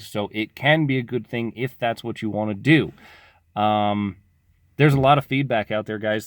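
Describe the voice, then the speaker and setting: A man's voice: medium pitch, dry recording, studio quality. Tired man losing his voice. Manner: rambling, informal, frequent fillers. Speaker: locksmith sharing business advice. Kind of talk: casual talk to camera.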